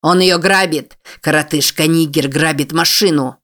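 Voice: medium pitch, steady tone, moderate pace, a bit bright, close to an everyday voice. A narrator voicing a panicky, explosive blonde woman driver who shrieks and pleads. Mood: panicked.

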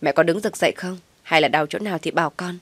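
A woman playing a timid grown son, apologetic, pleading, low voice, dry close sound. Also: quick pace, breathy edge, no echo. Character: meek, apologetic younger son, a man.

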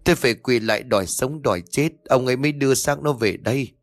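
A man's voice: mid-range voice, fast, no room sound, faint music behind, lightly acted. A man voicing a sorrowful middle-aged mother mourning her daughter, weary and complaining about her husband. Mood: grieving.

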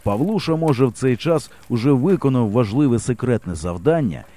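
A man reading an audiobook in an expressive first-person narration style, telling the story with animated drama. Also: medium pitch, brisk. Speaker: audiobook reader.

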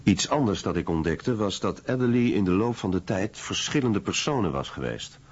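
A man reading scripted documentary narration in a husky voice. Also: lowish voice, lively intonation, moderate pace, a little hiss or hum. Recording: dull, muffled lo-fi audio.

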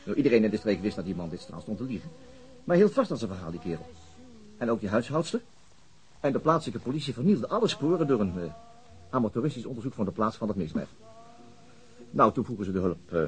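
An actor playing a weary, reticent middle-aged police detective in a naturalistic radio drama, speaking haltingly with murmured filler words. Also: male voice, lowish voice, big pitch swings, rough recording. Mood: wry storytelling.

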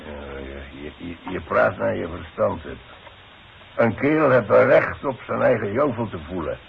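An actor playing a proud, grumbling old demolition worker forced into retirement, gruff and halting, in a 1960s radio play. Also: male voice, on the low side, lively intonation. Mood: resentful. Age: older. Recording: muffled, noisy 1960s radio broadcast.

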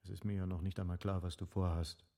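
An actor playing a defensive, evasive middle-aged husband in a literary radio drama, speaking in formal phrases. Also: male voice, deep voice, level tone, quick pace, mellow. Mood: subdued, defensive.

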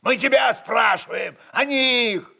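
A stern, flustered nobleman governor played by a man, pitched clearly high and strained upward from the reader's own voice. He is insistent, irritable and scolding, in the manner of a radio drama. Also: unhurried, pushed and bright, raised voice, some chatter behind, exaggerated voice. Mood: nervous irritation.

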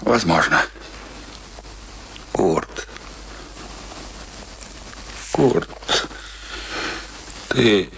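An actor in a radio play playing an ailing, stubborn, embittered old soldier, gruff and scornful, afraid of death. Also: male voice, deep voice, fairly bright tone, slight background noise, exaggerated voice, rough recording. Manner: gruff, scornful, theatrical outbursts.

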